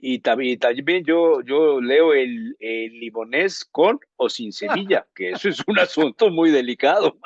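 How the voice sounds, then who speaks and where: A Mexican journalist co-hosting a talk show, telling long anecdotes and often pausing to search for words. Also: male voice, mid-range voice, lively intonation, no echo, highs cut off. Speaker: journalist co-host. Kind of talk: casual talk show chat.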